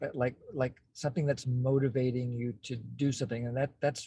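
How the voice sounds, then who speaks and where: A man speaks with a somewhat breathy voice. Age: 60s. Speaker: meditation and communication practice group leader. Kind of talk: guided meditation; group facilitation instructions. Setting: video call from a car. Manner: halting.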